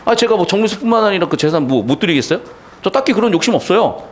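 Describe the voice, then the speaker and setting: A man's voice: high voice, expressive, fast talker. A man voicing an exasperated grown son who stammers as he pushes back at his father. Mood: frustrated. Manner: hesitant, stammering. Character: exasperated grown son, hesitant then frustrated.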